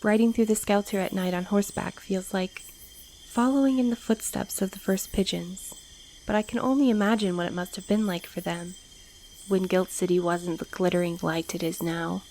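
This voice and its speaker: A woman's voice: medium pitch, fairly even intonation, moderate pace, a little mellow, slight background noise, lightly acted, poor audio. A woman playing a wry, put-upon mail courier in an audio drama, conversational and a little sardonic. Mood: wistful, musing.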